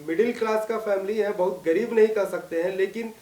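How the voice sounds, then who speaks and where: A man with a high voice reports in a news discussion, hesitating and restarting as he goes. He sits away from the mic, so his voice sounds distant and echoey. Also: brisk, dark tone. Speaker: field reporter and co-host.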